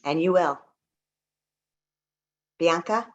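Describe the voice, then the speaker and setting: A woman's voice: lowish voice, extremely slow. A woman moderating a student panel, brief and encouraging as she calls on each speaker.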